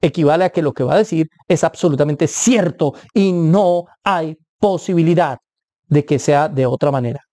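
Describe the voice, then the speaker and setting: A man's voice: fairly high pitch, moderate pace, warm tone, no room sound, studio quality. A man, a preacher, giving a Bible teaching talk, stressing his points by repeating words and checking in with a questioning aside.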